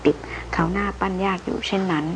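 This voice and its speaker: A woman narrating an adventure novel as an audiobook in a steady storytelling way. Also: brisk, a little hiss or hum, poor audio.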